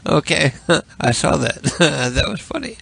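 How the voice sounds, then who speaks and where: Slow, drunk man hosting a call-in show. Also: on the high side, vocal fry, pushed and bright, breathy edge. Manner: rambling, giggly, crude. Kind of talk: casual late-night chat.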